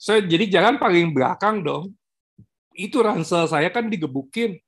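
Halting man talking about parenting. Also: high voice, lively intonation, slightly rough. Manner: halting, many filler pauses and restarts; mixes in English terms. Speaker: guest speaker on parenting. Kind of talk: conversational talk-show discussion.

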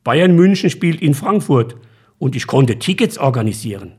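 A man's voice: mid-range voice, animated, normal speed, darkish tone, breathy edge. A man reading a story aloud, voicing the narrator's grown-up son with a lifted, eager voice. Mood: cheerful. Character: young adult son, worried then cheerful.

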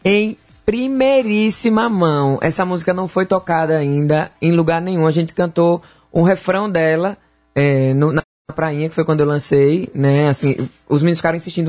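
A woman's voice: fairly low pitch, brisk, a little mellow. A woman, a singer chatting casually in an interview, correcting herself as she goes.

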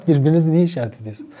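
A man's voice: a little high, warm tone, slight background noise. A man giving a religious talk to a live audience, joking with listeners and asking them many rhetorical questions. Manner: jokes with listeners. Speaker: preacher teaching an audience.

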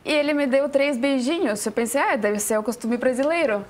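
A woman with a Russian accent chats as a guest on a TV talk show. Her voice sits a little high. She keeps her phrasing simple and searches for words in a language that is not her first. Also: fairly quick. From Russia, Ural Mountains. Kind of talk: casual interview answers. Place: TV studio.

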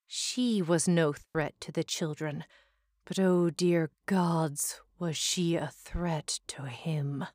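Lady reading a fantasy story, slow and low, dry close mic. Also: darkish tone, no echo. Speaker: story reader. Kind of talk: fantasy audiobook narration.

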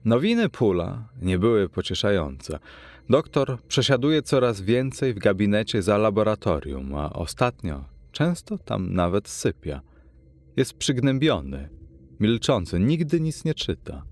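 Male audiobook narrator, very deep, expressive and measured. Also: no echo. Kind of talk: audiobook narration of a classic novel.

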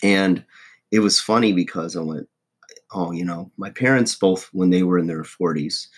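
A hoarse, husky man in his forties giving a casual, folksy motivational monologue as a host. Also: deep voice, moderate pace. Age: 40s. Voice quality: husky, rough. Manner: folksy, self-deprecating, checks in with "okay?" and "right?". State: hoarse voice, throat-clearing. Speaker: host of a motivational video podcast.

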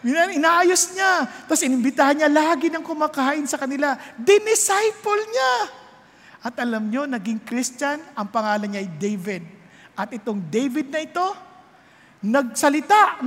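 A woman preaches in a high voice, her sermon full of storytelling. She leaps from loud exclamations down to quiet, intimate tones. Her voice carries a long reverb, as in a large church hall. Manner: animated, swings from loud exclamations to hushed tones.

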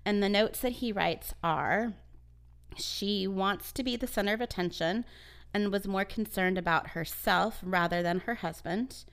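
A woman's voice: medium pitch, a little slow, smooth. A woman co-hosting a podcast, casually retelling a true crime story with many fillers and acted-out quotes. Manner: relaxed, uses many fillers, acts out quotes.

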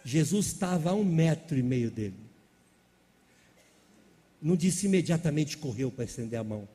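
A man's voice: on the high side, big pitch swings, normal speed, warm tone, big-room sound. A man preaching a sermon, calling out questions to the congregation. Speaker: pastor.

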